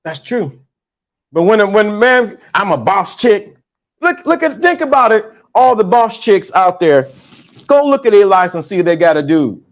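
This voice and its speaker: A man hosting a live stream, talking loosely and repeating himself in slangy, animated casual commentary. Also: high-pitched, moderate pace, a little hiss or hum.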